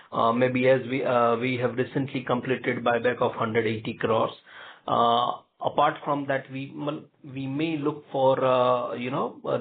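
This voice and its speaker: Indian executive on a tinny phone line. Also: male voice, mid-range voice, creaky, slight background noise. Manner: halting, hedged phrasing with repeated filler phrases. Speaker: company executive answering analysts. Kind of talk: earnings call question and answer.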